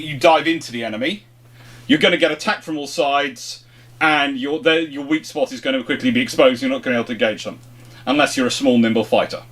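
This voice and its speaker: A man's voice: on the high side, a bit bright. A man hosting an informal question-and-answer chat, explaining things off the cuff and often rephrasing mid-thought. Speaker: host of a history question-and-answer show.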